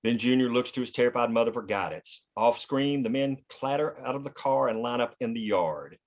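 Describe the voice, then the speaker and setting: Man reading screenplay directions, medium pitch. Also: a little fast. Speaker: stage-direction narrator. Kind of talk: scripted narration, screenplay table read.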